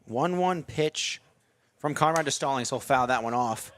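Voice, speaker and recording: Man, young adult, radio baseball play-by-play, press box, mid-pitched, steady, rises on big plays. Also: moderate pace. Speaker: play-by-play announcer.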